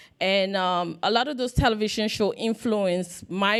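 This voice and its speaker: A woman with an American accent speaks in a plain, everyday voice at medium pitch and a moderate pace, with ordinary pitch variation, on a very clean recording with a silent background. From Cameroon, Bamenda (anglophone), then Maryland from age nine. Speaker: human trafficking survivor and activist. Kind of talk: panel testimony.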